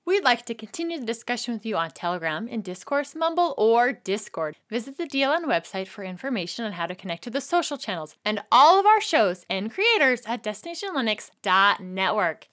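A woman's voice: a little high, sing-song, a little fast, hardly any pauses, a bit bright. A woman co-hosting a tech podcast, explaining in an upbeat, chatty way. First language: not French. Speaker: podcast co-host. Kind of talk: casual tech podcast chat.

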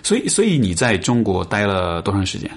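A man's voice: on the low side, very animated, a little fast, breathy edge. A man hosting a casual interview show, thinking aloud and repeating phrases as he goes. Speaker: podcast host.

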